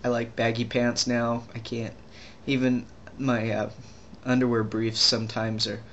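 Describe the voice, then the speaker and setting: A young trans man talking casually in a video diary, rambling and halting with many restarts and fillers. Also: mid-range voice, completely flat delivery, fairly bright tone, highs cut off, a little hiss or hum. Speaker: vlogger.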